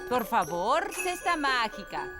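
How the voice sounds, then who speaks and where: A woman's voice: a little high, very animated, slow pace. A woman voicing a bossy, overconfident fairy nanny in a children's cartoon, with a Latin American Spanish accent and a fussy, theatrical delivery. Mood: confident, showy. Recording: music behind the voice.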